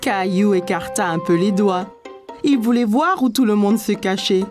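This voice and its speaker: A woman playing a kindly storyteller, narrating a children's cartoon in a clearly phrased storybook manner. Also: medium pitch, normal speed, natural voice. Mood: storytelling. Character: kindly storyteller narrating a small boy's day. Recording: faint music under the voice.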